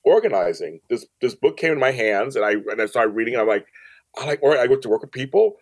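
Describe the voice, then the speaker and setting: A man's voice: mid-range voice, lively intonation, quick pace, no echo. A man in his fifties speaking as an interview guest, telling stories casually and emphatically, repeating phrases and acting out quoted dialogue. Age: 50s. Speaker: podcast guest, professional organizer. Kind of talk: animated storytelling in a casual interview.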